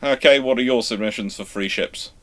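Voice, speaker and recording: A man's voice: mid-range voice, fairly quick. Casual man hosting a livestream discussion. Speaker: host of a naval history livestream. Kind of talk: casual chat answering listener questions.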